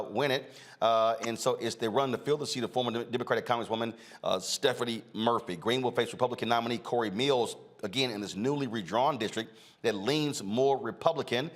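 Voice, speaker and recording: A man hosting a talk show, asking questions in a loose, conversational way with frequent filler sounds. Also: fairly low pitch. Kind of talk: conversational interviewing.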